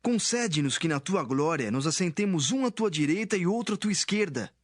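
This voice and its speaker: A man's voice: high-pitched, expressive, brisk, no room sound, studio quality. A man playing an eager, ambitious disciple petitioning his master in an audio Bible drama. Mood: eager, requesting.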